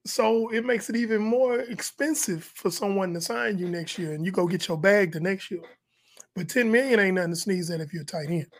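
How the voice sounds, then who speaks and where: Brisk and high-voiced, this Texan podcast co-host talks sports in a loose, casual way, full of slang and strong opinions. He's from Texas in the United States.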